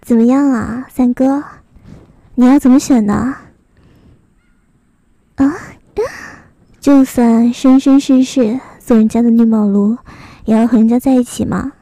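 Young woman doing a teasing cruel young lady, high voice, mellow tone, dry close sound. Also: steady tone, no room sound. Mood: taunting. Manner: coy, teasing, drawn-out sentence endings. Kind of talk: adult fan audio drama.

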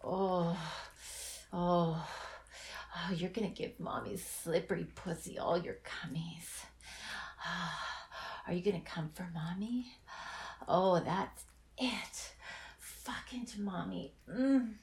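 Slow, whispery woman with a gravelly edge. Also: fairly low pitch. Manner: soft breathy whisper with sighs and murmurs. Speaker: adult audio roleplay performer. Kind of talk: intimate whispered roleplay.

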